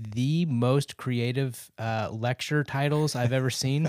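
A man speaks at a medium pitch with fairly even intonation. His fairly slow delivery comes through a very clean recording with a silent background. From US Deep South. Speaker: podcast host. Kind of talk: casual interview chat.

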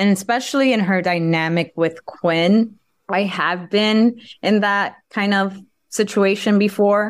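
In a very clean recording with a silent background, a woman with an American accent uses an ordinary speaking voice at medium pitch, talking at a fairly slow pace with fairly even intonation and very even loudness. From New York. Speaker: actress. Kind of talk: interview.

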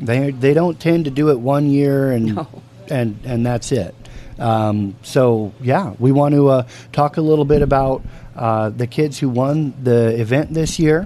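Speaking with an American accent, a man goes at a fairly slow pace with ordinary pitch variation. There is noticeable background noise. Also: medium pitch for a man. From Southeast Colorado. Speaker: local news podcast host. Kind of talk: interview. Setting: restaurant after closing.

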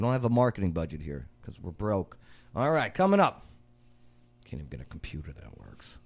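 A man's very deep, low voice at a fairly quick pace, animated in tone, with very wide pitch swings, big swings in loudness and long, frequent pauses. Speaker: radio show host and war veteran. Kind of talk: casual talk show chat. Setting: studio.

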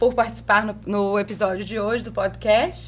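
The speaking pace is moderate, with music in the background. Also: woman. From Brazil, Minas Gerais. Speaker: journalist podcast host. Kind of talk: interview.

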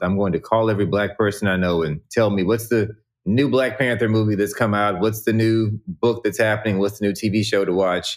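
A man with an American accent speaks in a plain, everyday voice, fairly low in pitch, at a moderate pace. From Texas. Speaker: team member. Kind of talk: casual panel conversation.

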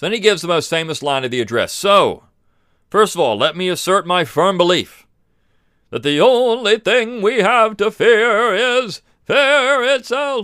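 A man's high-pitched voice with lively intonation, a bright, sharp tone and a fairly slow pace, on a very clean recording with a silent background. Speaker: history professor and podcast host. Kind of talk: reading aloud a historic speech, then commentary and lecture. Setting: solo podcast recording.

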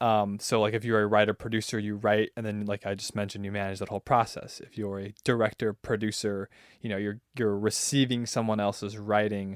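A man with a Californian accent at a fairly quick pace, monotone and flat in intonation, with a dry, close sound and no echo. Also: very clean recording, silent background. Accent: General American (Californian). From Southern California (San Bernardino). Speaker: TV producer and showrunner. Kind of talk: interview. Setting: studio.

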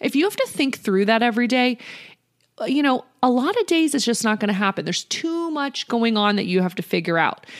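A woman with a high, warm-toned voice lets her pitch swing very widely. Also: fairly quick pace. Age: 40s. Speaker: homeschool podcast host. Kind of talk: casual monologue, tutorial. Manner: conversational, warm.

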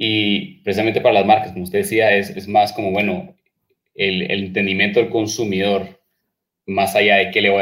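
A man with a fairly low voice rushes through his words at a very fast pace. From Guatemala. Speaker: podcast host. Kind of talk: interview. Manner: hesitant, many fillers.

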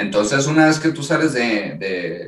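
The voice carries a Mexican accent. Its intonation is lively. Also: man. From Mexico. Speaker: marine. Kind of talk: casual chat.

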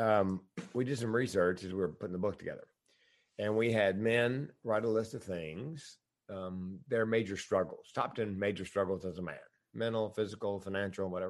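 Against a quiet background, a man speaks in a plain, everyday voice at a fairly low pitch. His pace is moderate and his pitch variation ordinary. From US South. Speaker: comedian and suicide prevention speaker. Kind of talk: casual interview chat.

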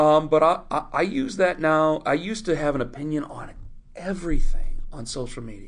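A man speaks in a normal speaking voice, fairly high for a man, with lively intonation. The background stays quiet. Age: 30s. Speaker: sports radio host. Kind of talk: casual chat.

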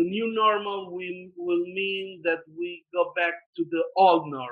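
A man speaks at a fairly slow pace with an Italian accent. His pitch is high and his intonation fairly even. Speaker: interview guest. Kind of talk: interview. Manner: halting.

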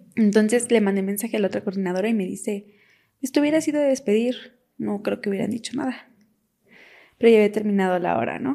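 A woman's fairly high, dark and mellow voice, very fast yet broken by long, frequent pauses, with ordinary pitch variation. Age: 20s. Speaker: former surrogate mother. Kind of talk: testimony.

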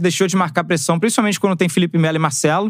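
On a very clean recording with a silent background, a man speaks at a very fast pace with a high pitch and ordinary pitch variation. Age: 30s. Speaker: sports journalist. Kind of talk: casual chat.

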